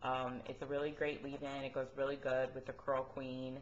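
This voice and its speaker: A woman with a very deep, low voice talks at a moderate pace. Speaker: natural hair vlogger. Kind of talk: casual product review to camera.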